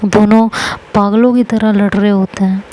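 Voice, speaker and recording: A woman's voice: mid-range voice, little pitch movement, moderate pace, warm tone, a little hiss or hum, low-quality recording. A woman storyteller narrating a romance in a plain, conversational way.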